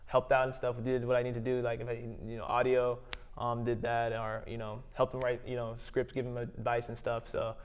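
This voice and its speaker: Young male guest, smooth voice, relaxed and rambling. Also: medium pitch, brisk. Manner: easygoing, rambling, heavy on fillers. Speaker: filmmaker guest. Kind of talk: casual interview chat.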